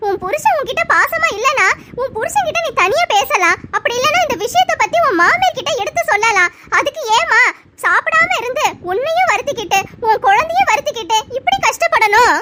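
A woman voicing a calm cartoon doctor who lectures and scolds kindly, with loud noise behind. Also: very high-pitched, fairly quick. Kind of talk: cartoon voice acting.

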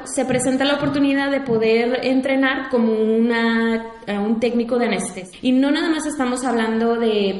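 A woman's voice: mid-range voice, a little mellow. Young Mexican woman speaking in an echoey hall. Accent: Mexican Spanish. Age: 20s. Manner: informal, many fillers and restarts, speaks Spanglish. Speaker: invited speaker, war veteran. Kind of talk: public talk to an audience. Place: university lecture hall.

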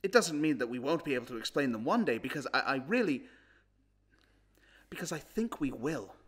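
A man playing an earnest, troubled man in an intimate stage monologue, speaking in a halting, searching way. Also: mid-range voice, very animated, fairly bright tone, breathy edge. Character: earnest, troubled man recounting an argument about God.

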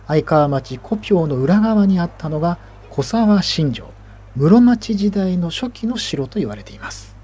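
Higher-pitched male history narrator. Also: warm tone. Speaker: host and narrator. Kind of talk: presenting and narrating local history.

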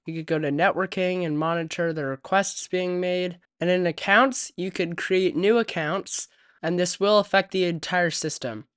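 A man hosting a tech tutorial, walking through software setup step by step as a voice-over at a USB desk microphone. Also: high-pitched, normal speed, clear, resonant tone, dry recording, clean studio sound. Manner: steady step-by-step instruction. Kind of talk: screen-recorded software tutorial.

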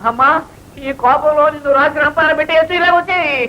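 An actor playing a flustered, pompous writer in a film comedy, with a theatrical manner. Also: male voice, very high-pitched, fairly even intonation, quick pace. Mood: fussy. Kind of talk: 1980s film comedy acting. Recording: dull old film soundtrack with faint hiss.

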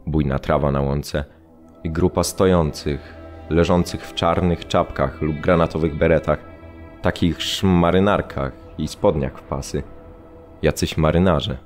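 A grave male prisoner recounts his deportation in a very low voice. He speaks in terse, clipped fragments, as in a radio drama, with music underneath. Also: darkish tone. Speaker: actor reading a prisoner's account. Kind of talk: scripted documentary radio-drama narration, terse present-tense recollection.

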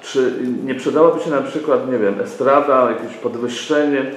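A man's voice: mid-range voice, moderate pace. A man asks a polite, somewhat hesitant question at a press conference. He is well back from the mic in a roomy, echoey space with faint background noise. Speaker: journalist. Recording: echoey room, voice from far off.

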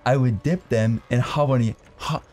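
A young man hosting a casual chat, telling a crude, animated story with lots of laughter. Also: mid-range voice, moderate pace. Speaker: podcast host.

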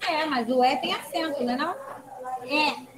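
A middle-aged woman teaching young children in Brazilian Portuguese, patiently coaxing them and sounding out syllables slowly. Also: sits high, noisy background. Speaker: primary school teacher. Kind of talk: classroom teaching. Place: school classroom with children. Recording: echoey classroom with loud children's chatter.

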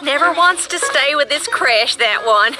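A woman's voice: sits high, lively intonation, unhurried. A woman voicing a chatty, fussing mother flamingo in a children's cartoon, good-humored and motherly. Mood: exasperated. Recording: music behind, screen-recorded cartoon.

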